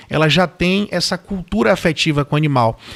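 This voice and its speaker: A man is speaking. He has a northeastern Brazilian accent. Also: dry, close sound with no echo. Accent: Brazilian northeastern (Bahian). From Brazil, Northeast (Salvador, Bahia). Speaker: police forensic expert. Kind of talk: interview. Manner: halting, repeats words.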